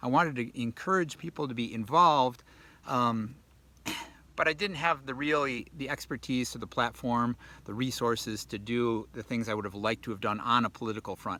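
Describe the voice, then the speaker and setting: Against a silent background in a very clean recording, a man with a bright, sharp tone and medium pitch speaks at a fairly quick pace with ordinary pitch variation. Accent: American. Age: 60s. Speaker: vlogger. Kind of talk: casual vlog monologue. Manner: hesitant, many fillers.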